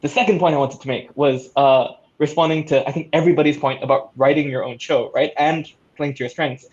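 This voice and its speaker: Slightly high-voiced man, muffled audio. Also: fairly quick. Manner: excited, encouraging. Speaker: audio drama creator and panelist. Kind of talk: casual panel talk.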